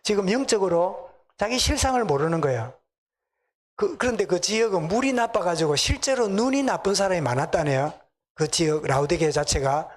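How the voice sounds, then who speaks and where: A man's voice: high-pitched, expressive, brisk. A middle-aged man with a Gyeongsang accent preaching a sermon in a church, chatting with the congregation and asking them questions. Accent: Gyeongsang Korean. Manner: conversational, asks the congregation questions. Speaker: pastor. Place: church sanctuary.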